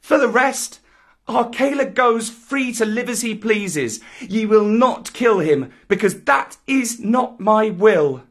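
Storybook jungle boy, voiced by a man: high, swooping, defiant, declaims in archaic phrases. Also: expressive, slow pace, fairly bright tone, exaggerated voice. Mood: scornful, fierce. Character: defiant young jungle boy, proud and commanding. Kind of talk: dramatic storybook reading.

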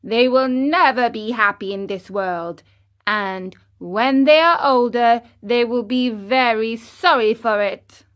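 A woman reading a storybook aloud, voicing a wise old male cricket who speaks in a calm, measured, moralizing way. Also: fairly high pitch. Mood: solemn.

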